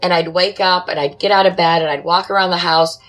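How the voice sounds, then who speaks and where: A woman with a low voice recounts personal paranormal experiences as an interview guest. She speaks conversationally in short, matter-of-fact phrases that build drama. Faint music plays underneath. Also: fairly even intonation, a little fast, fairly bright tone, rough recording. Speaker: podcast guest, paranormal investigator. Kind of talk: conversational first-person storytelling.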